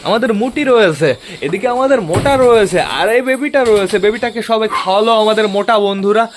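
A man's voice: high-pitched, fast talker, noisy background. A man vlogging about his pet pigeons in a casual, chatty way, talking to viewers and coaxing his birds. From West Bengal, India. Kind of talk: casual vlog narration.

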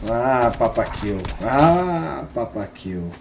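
A man's voice: mid-range voice, animated, extremely slow, vocal fry, noisy background. A man with a Brazilian Portuguese accent streaming a shooter game, giving slangy, joking live commentary and teasing his viewers.

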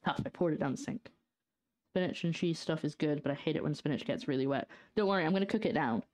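Her voice sitting low with a darkish tone and a quick pace, a young adult woman live-streams while cooking in her home kitchen, joking and aiming sarcastic comments at chat. She's from northeast Scotland, with a light Scottish accent that sounds partly English and a slight brace-induced lisp.

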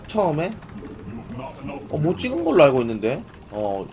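High-pitched man live-streaming with strained throat. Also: huge pitch swings, normal speed, a little mellow, slight background noise. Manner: informal, repeatedly questioning and addressing viewers. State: strained throat, voice in poor condition. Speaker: live-stream host, gaming broadcaster. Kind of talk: casual live-stream chat with viewers. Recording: music playing behind the voice. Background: music, keyboard typing.

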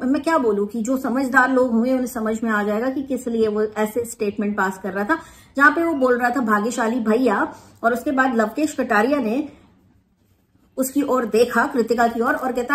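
A woman hosting a reaction vlog who gives indignant, sarcastic opinion commentary and mixes English phrases into her speech. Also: fairly high pitch. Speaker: reaction video host.

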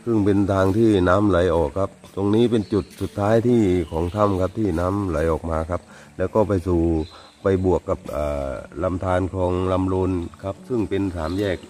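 A man's voice: deep voice, steady tone, fairly quick, darkish tone, soft background music. A man working as a local guide, explaining the cave to a visitor outdoors in a hesitant way, with many fillers and agreeable replies. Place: outdoors at a cave mouth by a stream.

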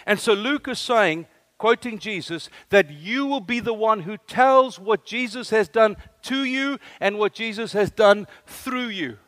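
A South African man with an Afrikaans accent preaching a lively sermon, telling stories and tossing questions to the congregation. His voice sits fairly high for a man and is recorded dry and close, with little room sound. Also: unhurried, no room sound. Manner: animated storytelling preacher, asks the room questions. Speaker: guest preacher.

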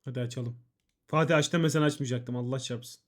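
A man's voice: mid-range voice, steady tone, a little fast. A man streaming, reading out viewers' ban appeals and answering them in blunt, profane casual chat. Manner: blunt and swearing, reading chat messages aloud.

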